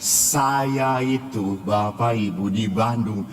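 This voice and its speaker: A man's voice: fairly low pitch, takes it slowly. A man with a Javanese accent, a Catholic priest giving a humorous sermon, telling stories playfully and acting out the voices in them. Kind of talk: humorous sermon at a revival service. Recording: long hall reverb, faint background noise.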